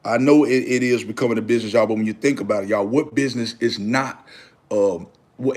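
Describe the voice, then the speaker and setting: A man's voice: mid-range voice, slightly rough. A man in his thirties chatting on a livestream, preaching about faith and talking straight to viewers, repeating himself and calling them brother. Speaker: livestream host. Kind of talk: casual livestream chat.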